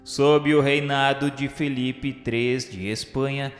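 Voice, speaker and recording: Slow and steady in a mid-range voice, a Brazilian man delivers solemn, formal, declamatory narration from a radio drama script. His words ring with echoey hall reverberation over underlying music.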